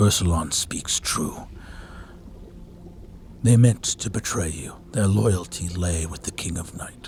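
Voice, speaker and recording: A put-on character voice from a man, very deep and low, at a fairly slow pace with long, frequent pauses over clear background noise. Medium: actual play. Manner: earnest, solemn.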